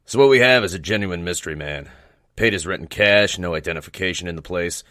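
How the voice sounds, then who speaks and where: An actor playing a world-weary older police commissioner in a crime drama, gruff and dryly sardonic. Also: male voice, sits low, quick pace, a bit bright, no room sound. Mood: wry, weary. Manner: dry, gruff, musing. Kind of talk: crime audio drama dialogue. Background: background music.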